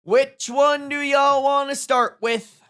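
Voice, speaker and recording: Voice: high-pitched, fairly even intonation, takes it slowly, a bit bright. A streamer in their twenties chatting casually to a live audience, with slangy, emphatic talk and frequent swearing. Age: 20s. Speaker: livestream host. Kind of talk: casual reaction stream chat.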